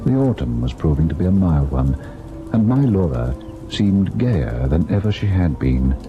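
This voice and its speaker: An actor playing a devoted, sorrowful husband in an old-time radio ghost drama, measured and tender in his delivery. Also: low voice, big pitch swings, dull audio, over music. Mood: wistful, grave. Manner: measured, melancholy narration, tender and indulgent in dialogue. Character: devoted husband recalling a haunted, sorrowful tale.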